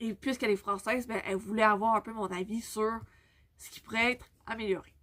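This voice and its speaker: At a fairly quick pace, a woman with a Quebec accent speaks in a fairly high voice with monotone, flat intonation. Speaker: book vlogger. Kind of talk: casual vlog chat. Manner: halting, many fillers.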